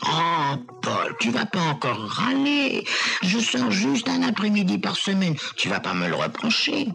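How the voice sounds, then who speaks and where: Over clear music in the background, a man puts on a character voice. He uses a high pitch and a moderate pace. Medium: read story. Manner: nervous, fretful.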